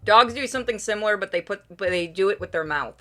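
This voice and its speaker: A woman hosts a casual game stream with a bright, crisp-edged voice at a middling pitch. She is playful and informal as she chats and reads aloud. Game music plays faintly behind her. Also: expressive, fast talker. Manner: playful, informal, swears freely. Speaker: game streamer reading a visual novel aloud for chat. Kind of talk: casual livestream chat and read-aloud game narration.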